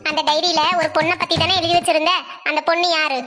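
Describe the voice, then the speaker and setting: A woman's voice: very high-pitched, level tone, quick pace, bright, forceful tone, soft background music. A woman voicing a middle-aged mother in a cartoon family story, scolding and fretful.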